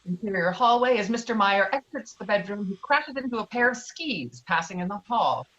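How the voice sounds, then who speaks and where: A woman's voice: mid-range voice, animated, moderate pace, a bit bright, highs cut off. A woman reading screenplay stage directions as the narrator of a table read.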